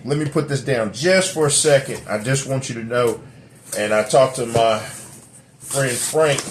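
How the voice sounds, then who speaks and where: A middle-aged man vlogging from home to a camera he set up, talkative and rambling with lots of fillers and restarts. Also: a little hiss or hum. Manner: drops into a deep put-on radio voice. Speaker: vlogger reviewing a product. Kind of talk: rambling casual vlog. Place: home room. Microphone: camera set up nearby.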